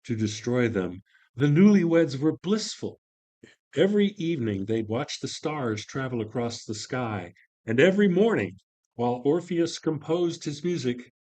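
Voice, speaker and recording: A man narrating a play reading in a measured, expressive storytelling style. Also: medium pitch.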